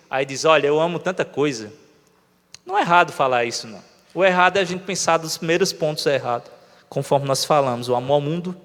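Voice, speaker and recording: A man's voice: on the high side, fairly bright tone. A Brazilian man preaching a conversational sermon, often asking the congregation questions. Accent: Brazilian Portuguese. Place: church hall. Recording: long reverb of a church hall.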